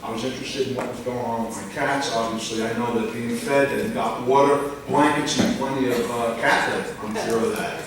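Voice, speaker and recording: A man's voice: mid-range voice, fairly even intonation, fairly quick, few pauses, a crowd in the background. Blunt older man in an echoey hall. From Long Island, New York. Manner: blunt, complaining, loud. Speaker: public commenter. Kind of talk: public comment at a town meeting. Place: large echoey public meeting room. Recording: echoey room audio from far off.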